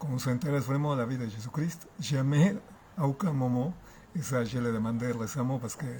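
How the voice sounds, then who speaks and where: Speaking at a fairly quick pace, a man with a strong Latin American accent uses a medium pitch and ordinary pitch variation. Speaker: activist collective member. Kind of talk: interview. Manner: hesitant, many fillers.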